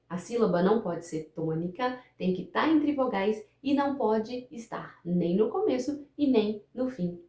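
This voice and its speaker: Woman English teacher, native Portuguese speaker, mid-pitched, patient and repetitive, roomy echo. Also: dark tone. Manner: patient, repeats example words slowly for practice. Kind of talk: pronunciation lesson to camera.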